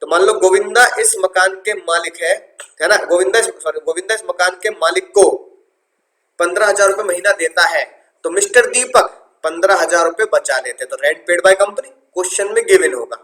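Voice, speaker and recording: A high-pitched man lectures on tax with playful energy, repeating key terms and throwing questions at his class. His voice rings around an echoey room. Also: moderate pace, sharp tone. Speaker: tax teacher.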